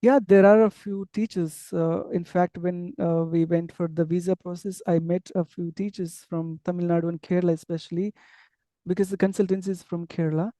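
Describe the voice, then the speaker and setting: A man's voice: high-pitched, little pitch movement, a little fast, mellow, dry recording. A man with an Indian English accent, from Andhra Pradesh, whose first language is an unwritten tribal language, answering interview questions in a casual, hesitant way with many fillers and restarts. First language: tribal language without a script. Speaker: interview guest, English teacher abroad.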